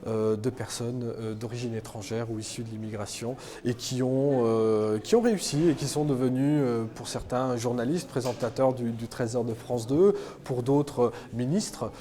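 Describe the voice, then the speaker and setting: A man's voice: medium pitch, moderate pace, hardly any pauses, mellow. A man being interviewed about his documentary, talking hesitantly with many fillers. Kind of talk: interview answers.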